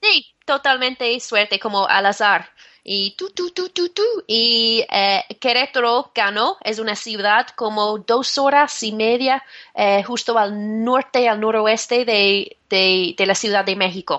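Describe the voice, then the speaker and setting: A woman with an English accent, fairly high in pitch, with ordinary pitch variation and a very slow pace. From Ireland, Dublin suburbs. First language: English (speaking Spanish). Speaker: Spanish teacher. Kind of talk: interview. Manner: halting.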